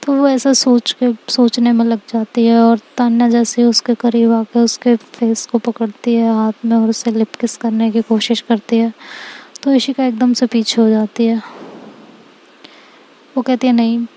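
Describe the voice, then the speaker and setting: Woman telling a story, calm and steady, fairly high voice, flat delivery, mellow tone. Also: unhurried, low-quality recording. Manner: calm, even retelling with frequent linking fillers. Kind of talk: story narration.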